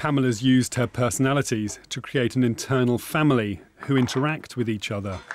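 A man's medium-pitched voice in a calm, serious tone, with ordinary pitch variation and noticeable background noise. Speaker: documentary narrator. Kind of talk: 1990s documentary narration, scripted voiceover. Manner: measured, calm, even and formal, serious tone.

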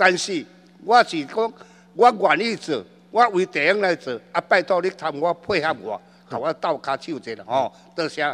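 A man with a Taiwanese accent talks at a fairly slow pace in a high voice with lively intonation. The sound is dry and close, with no echo. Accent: Taiwanese Hokkien-accented Mandarin. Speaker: city councilor. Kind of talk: council questioning. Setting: council chamber.

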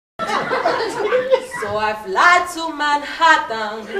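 Extremely high in pitch, a woman raises and projects her voice in an animated, theatrical, sing-song way with very wide pitch swings, with audible room echo and light background noise. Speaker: comedy performer and poet playing characters. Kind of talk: poem performed in cabaret style, character piece. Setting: stage with audience. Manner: rhythmic, rhyming sing-song delivery, animated and theatrical; playful, sassy teen character voice in the sketch. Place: stage. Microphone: camera far.

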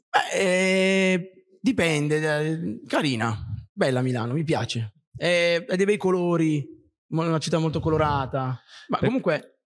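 A man talks with lively intonation. He leaves long, frequent pauses. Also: fairly slow pace. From Bari, Italy. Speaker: author, blind social media creator. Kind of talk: casual, humorous book presentation. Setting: stage book presentation. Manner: ironic, joking. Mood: light, ironic. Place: shop. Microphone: handheld.

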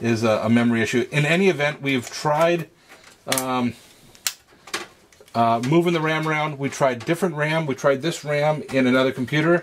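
A man's speech, with ordinary pitch variation and a moderate pace, comes through light background noise. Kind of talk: tutorial. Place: workshop. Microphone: camera far.

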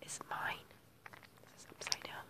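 A woman is heard. She whispers. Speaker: ASMR creator. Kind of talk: ASMR giveaway announcement. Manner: whispered, soft-spoken. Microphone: phone near.

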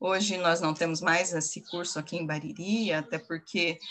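A woman with a fairly low pitch and a bright, sharp tone talks at a moderate pace with vocal fry over light background noise. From interior of São Paulo state, Brazil. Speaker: lawyer; guest. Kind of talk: webinar talk. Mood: warm, smiling. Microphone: video call.

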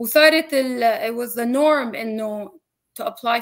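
A woman with an unremarkable speaking voice talks at a moderate pace, her fairly high pitch moving with ordinary variation over a quiet background. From Lebanon, Bekaa; Lebanon. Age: 20s. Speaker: pediatric cardiologist; interview guest. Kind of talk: interview. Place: home room.

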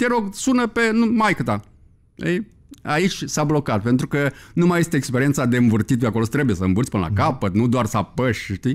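A man talking at a fairly quick pace, his pitch swinging very widely, over a quiet background. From Moldova. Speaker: writer; interview guest. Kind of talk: casual interview. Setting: studio. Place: studio. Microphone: studio mic.

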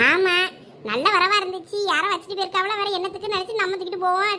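Over clear background noise, a woman does a put-on character voice at an extremely high pitch, with monotone, flat intonation and a moderate pace. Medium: voice reel. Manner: chatty, casual.

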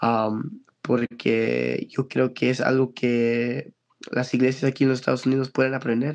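The speech moves at a fairly slow pace with a monotone, flat intonation and very even loudness, set against a quiet background. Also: man. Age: 20s. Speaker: preacher and translator; preacher. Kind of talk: interview testimony. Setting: video call. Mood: earnest, reflective. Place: home room. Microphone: video call.

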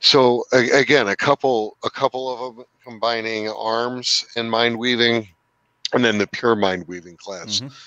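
With an American accent and a medium pitch, a man talks with fairly even intonation and big swings in loudness in a dry, close sound with no echo. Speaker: tabletop game designer. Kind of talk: casual interview.

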